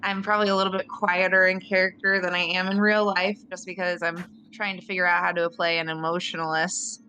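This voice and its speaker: A woman's voice: on the low side, little pitch movement, brisk, pushed and bright, dull audio. A woman speaking casually as a player in a tabletop game. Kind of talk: casual introduction. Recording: faint background noise. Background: faint noise.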